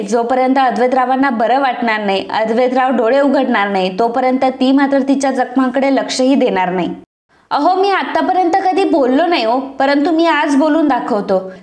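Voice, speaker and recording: A humble older father pleads respectfully, played by a woman narrator. The voice stays high. The recording has a roomy echo. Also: normal speed, a little mellow, natural voice. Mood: pleading.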